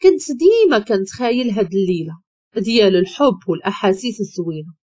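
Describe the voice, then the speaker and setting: A woman's voice: medium pitch, expressive, quick pace, a little mellow, breathy edge, no room sound, highs cut off. Moroccan woman narrating a dramatic story.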